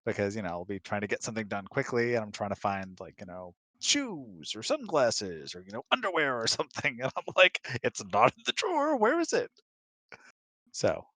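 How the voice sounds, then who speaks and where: A man in a casual chat, speaking in a measured, slightly hesitant way with dry humor. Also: lowish voice, a bit bright, no room sound. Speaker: husband co-answering questions.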